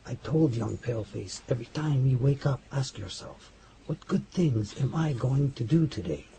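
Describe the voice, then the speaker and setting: A man's voice: medium pitch, lively intonation, creaky, warm tone. A man playing a wise Native elder. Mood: teasing. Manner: measured, teasing, solemn. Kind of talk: hobby radio drama acting. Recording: noisy home recording.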